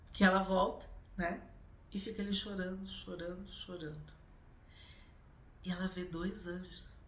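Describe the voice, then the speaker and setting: A woman's voice: on the low side, fairly bright tone, echoey room. A woman giving a Bible reflection, speaking with emphasis and repeating phrases for effect. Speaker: Bible teacher.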